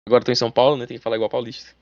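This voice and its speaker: A male teacher giving a live online class, talking fast and chatty, speaking straight to his students. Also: medium pitch, flat delivery, no echo, dull audio.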